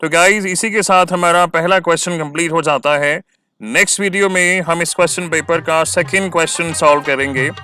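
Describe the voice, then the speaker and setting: A man giving an exam-prep lecture, explaining with examples and reading English answers out slowly. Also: on the high side, steady tone, pushed and bright. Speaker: teacher.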